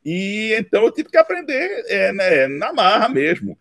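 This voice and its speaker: A man, recounting his life story in an interview, unhurried and dotted with tag questions. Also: high voice, wildly swooping pitch, fairly bright tone, no echo, studio quality. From Recife, Brazil. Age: 50s. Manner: unhurried, with frequent "né" tags and restarts. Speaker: interview guest, law professor. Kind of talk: relaxed autobiographical interview.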